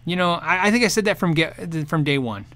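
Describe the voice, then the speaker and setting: Animated and fairly quick, this guitar show host has a fairly high, sharp-toned voice. He chats casually live with viewers, answering their questions, rambling, restarting sentences, and laughing a lot.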